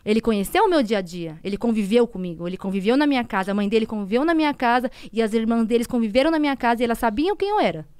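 A woman in her thirties with a Brazilian Portuguese accent, a podcast guest telling a personal story in a conversational way, often dropping to soft, hushed tones. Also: a little high, expressive, rapid-fire, hardly any pauses, clean tone, no echo.

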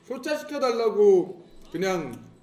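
A man streaming an eating show, chatting casually with his mouth full of noodles. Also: slow. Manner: chatty, eating while talking, lively pitch. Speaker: mukbang streamer. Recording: roomy sound with loud background music.

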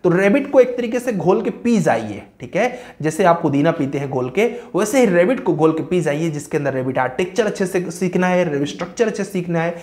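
A man's voice: high-pitched, expressive, fairly quick, few pauses, darkish tone. Man giving a chatty career-advice lesson. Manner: explains through lists and checks in with "okay"; mixes English technical terms into his talk. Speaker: civil engineering educator.

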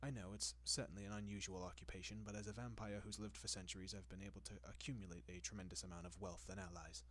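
With a husky, fairly deep voice held at a steady tone, a male actor portrays an ages-old vampire. His manner is genteel and polite, softly persuasive with lingering pauses, doting and possessive like intimate roleplay audio, and he sounds composed and confiding.

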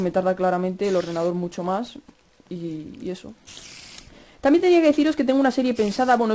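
A young man with a Spanish accent from Spain chatting fast over Minecraft gameplay, cursing and yelling at the mobs. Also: high voice, a little hiss or hum. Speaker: gaming youtuber.

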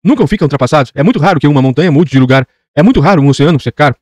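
A man's voice: fairly high pitch, expressive, very fast, darkish tone, no room sound, lightly acted. A man voicing a self-important old geographer who lectures pedantically. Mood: lecturing. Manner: lecturing, pompous.

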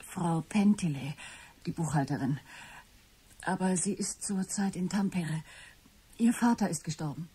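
An actress playing a subdued, polite young secretary in a radio play, giving reserved answers in a soft, breathy voice. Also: female voice, lowish voice, unhurried, pauses often. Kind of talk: German radio play acting.

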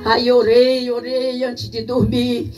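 A woman's voice: a little high, level tone, slow pace, darkish tone. A middle-aged woman with a Brazilian Portuguese accent giving a tearful church testimony in a sing-song preaching cadence. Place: church service. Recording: distant mic with faint music.

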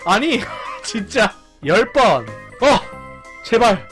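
Male gaming streamer: high, bouncy voice full of countdowns and shouts, over soft game music. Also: extremely slow. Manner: animated, counting down and exclaiming loudly. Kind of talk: excited gameplay commentary.

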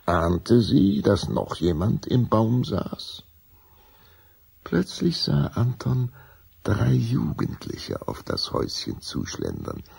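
Deep, gravelly male storyteller, hugely expressive. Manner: suspenseful, deliberate. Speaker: narrator. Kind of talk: dramatic scripted storytelling for a children's radio play.

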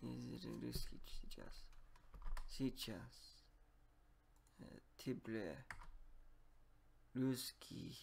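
Man, English native speaker, very slow, halting, gravelly, faint hiss, keyboard clicks. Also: medium pitch, darkish tone. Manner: slow, halting, repeats words. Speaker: language learner. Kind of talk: halting spoken practice.

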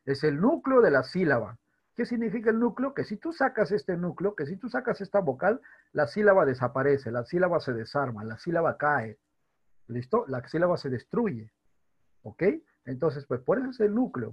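A man's voice: on the high side, husky, lo-fi sound. A male teacher giving a recorded grammar lesson, often checking in with rhetorical questions and sounding out words syllable by syllable. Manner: spells out words slowly by syllable.

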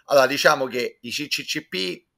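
A guest reviewer and culture commentator on a video call offers discursive, learned, self-ironic critical commentary in a conversational way. His medium-pitched voice is gravelly, pushed and bright, a little fast, recorded close to the webcam in a small indoor room with bookshelves.

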